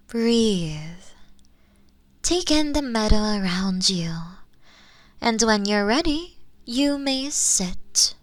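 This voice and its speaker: A gentle, ageless female spirit, played by a woman, speaks in a comforting audio roleplay. Her delivery is very slow and deliberate, with formal, soothing phrasing that softens into breathy near-whispers. The pitch sits in a middle female range, and the sound is dry and free of room echo. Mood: calm, reassuring.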